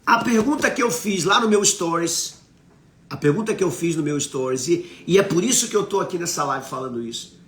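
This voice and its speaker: A man's voice: a little high, expressive, brisk, a bit bright, reverberant. A man with a Brazilian Portuguese accent preaching on a live stream. He teaches emphatically, asks the audience questions and reads out viewer comments.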